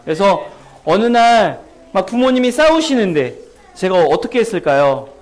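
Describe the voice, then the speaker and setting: A man's voice: sits high, moderate pace. A man, a children's pastor, giving a sermon at a children's church service. He tells stories and keeps asking the kids questions. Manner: animated storytelling that asks children questions.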